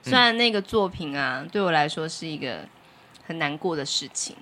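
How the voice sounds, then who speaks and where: A woman with a Taiwanese Mandarin accent, chatting casually as a podcast co-host, agreeable and quick to chime in. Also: low voice, expressive, pushed and bright. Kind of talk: casual chat.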